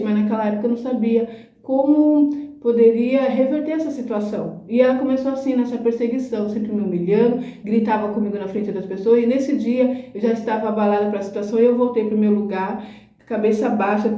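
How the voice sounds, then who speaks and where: The recording, echoey and dull, picks up a middle-aged woman from a distance as she hosts a talk. Her slightly high voice carries an emotional personal testimony punctuated by little tag questions.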